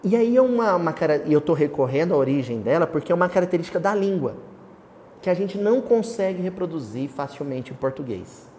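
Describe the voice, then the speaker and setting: A Brazilian man leads a study group with a lively, swinging delivery, and his voice trails off into a long hall reverb. He keeps asking his listeners questions before answering them himself, and he recites quoted verses with a dramatic exclamation. A faint hiss sits under the recording. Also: on the high side, fast talker. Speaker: Bible study teacher. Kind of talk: teaching a small study group.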